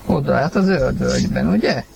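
A man reading a story aloud, narrating and acting the husband's lines with sudden loud outbursts. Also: mid-range voice, gravelly, music in the background. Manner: acted, rising to shouts in heated lines. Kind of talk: dramatized audiobook reading.

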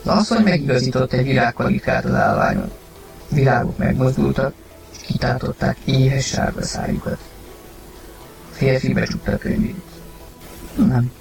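Gravelly man reading a story. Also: medium pitch, big pitch swings, pauses often, soft background music. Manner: acted, rising to shouts in heated lines. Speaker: narrator and reader of the husband's lines. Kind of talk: dramatized audiobook reading.

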